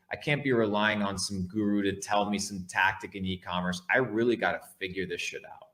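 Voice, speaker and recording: A man's voice: lowish voice, a bit bright. A man talking like a brash crypto bro in a casual motivational livestream, blunt and profane, hammering key words by repeating them. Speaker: livestream host, online entrepreneur.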